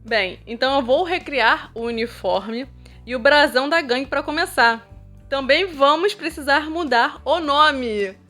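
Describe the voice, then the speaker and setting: Woman reading a calm, firm teen gang leader. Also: sits high, a little slow, soft background music, pitched above the performer's own voice. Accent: Brazilian Portuguese. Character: stern cool teen gang boy.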